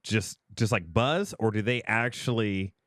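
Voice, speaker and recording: A man co-hosts a casual podcast in a low voice, recorded dry and close. He asks curious questions in a halting, searching way. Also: a bit bright, dry recording. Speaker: podcast co-host.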